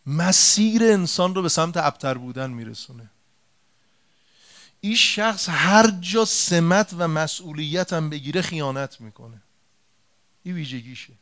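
A man's voice: fairly high pitch, fairly bright tone. A man preaching a religious sermon, retelling an old story in a colloquial way and turning to his listeners with direct rhetorical questions and emphatic repetition.

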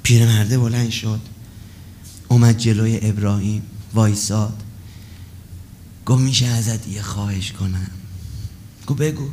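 A man preaching an emotional storytelling sermon at a religious gathering, swinging between loud passages and hushed ones. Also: lowish voice, steady tone, long pauses, a little hiss or hum.

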